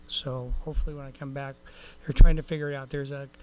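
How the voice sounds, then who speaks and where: Rambling council member giving a report. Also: male voice, medium pitch, little pitch movement, fast talker, a little hiss or hum, low-quality recording. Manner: rambling, folksy, with many fillers and restarts. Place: council chamber.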